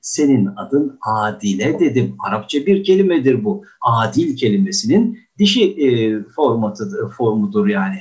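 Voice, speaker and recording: In a sing-song, medium-pitched voice at a moderate pace with hardly any pauses, an older man delivers a pronunciation lecture as a diction teacher. He is courtly, says "efendim" often, and acts out example words in exaggerated tones.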